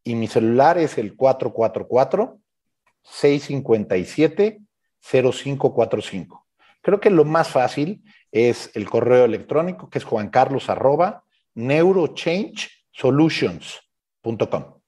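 Slightly husky man explaining informally. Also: medium pitch, lively intonation, measured pace, dark tone. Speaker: neuroscience coach, interview guest.

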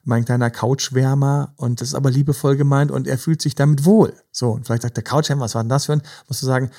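Gravelly, mellow-voiced male podcast host. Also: medium pitch, fairly even intonation, very fast. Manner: gentle, advising, many fillers. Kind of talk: casual podcast chat about relationships.

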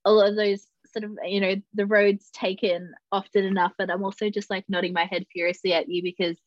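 A woman's voice: medium pitch, flat delivery, a little fast, no echo, lo-fi sound. A woman hosting a podcast, with a young-sounding voice, chatting in a self-deprecating, talkative way. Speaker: podcast host. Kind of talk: casual interview chat.

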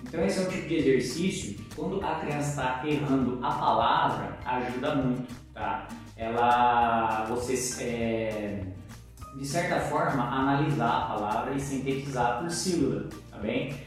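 A man's voice: mid-range voice, measured pace, faint music behind. Man, live-stream teacher, chatty explainer, lots of fillers, very echoey room, mic far off. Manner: explanatory, uses many fillers and tag questions. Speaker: co-host, teacher giving literacy tips.

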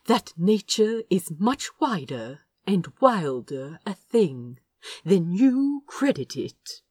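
A woman's voice: mid-range voice, sing-song, slow pace, a little mellow, husky, no room sound, clean studio sound, full character voice. A woman voicing a principled younger prince in an audiobook, defiant and indignant, with a tart, insistent, disapproving manner. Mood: heavy disapproval.

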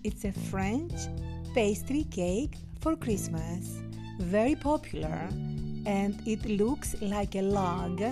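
A woman hosts a cozy holiday podcast from home in the evening, speaking English as a second language. She talks slowly and unhurriedly, pausing on fillers, and her pitch sits in an ordinary middle range. Soft Christmas music plays faintly behind her. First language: not English. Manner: relaxed and unhurried, with fillers and small laughs. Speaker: podcast host. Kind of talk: casual holiday podcast with jokes.

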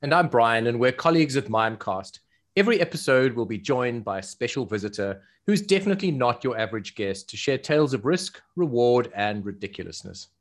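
A man with a South African accent co-hosts a podcast. His voice sits at a medium pitch, and he talks conversationally as he introduces and questions. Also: lively intonation, fairly quick. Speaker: podcast co-host.

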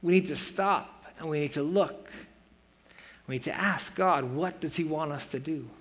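A man's voice: on the high side, moderate pace, fairly bright tone. A man in his forties preaching a sermon in a church, earnest and conversational, with playful self-mocking asides. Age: 40s. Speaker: pastor.

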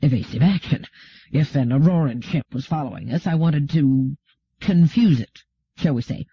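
A man voicing a calm, wry bearded space captain who speaks low and dry. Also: normal speed, breathy edge, no echo. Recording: dull lo-fi recording.

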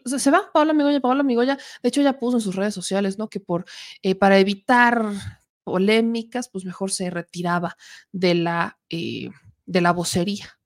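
Her voice sits in the mid range with fairly even intonation and a moderate pace. She's a Puebla-born woman in her thirties with a Mexican accent, hosting political commentary in a chatty, joking style, with side comments to the producer and a lingering allergy cough.

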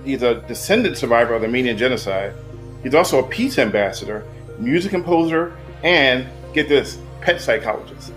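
A man's voice: medium pitch, very animated, fairly quick, a bit bright, soft background music. A man hosting a podcast over a video call, chatty and a little flustered. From United States. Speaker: podcast host. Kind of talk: casual online interview.

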